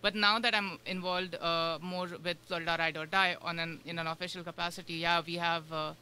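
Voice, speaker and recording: A woman's voice: fairly low pitch, little pitch movement, a little fast, sharp tone. A woman from India, a guest on a radio show, talking casually and rambling with many fillers. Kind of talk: casual interview chat. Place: radio studio.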